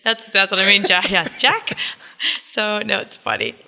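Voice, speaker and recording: A woman's voice: mid-range voice, sing-song, normal speed, gravelly, bright, forceful tone, in a large hall. An American woman co-hosting a podcast in casual chat, agreeable and playful. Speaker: podcast co-host.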